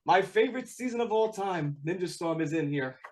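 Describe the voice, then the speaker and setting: An American man with a fairly high voice hosts a casual interview as an excited fan. He trips over his words and restarts his sentences often. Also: fairly quick. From United States. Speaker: podcast host.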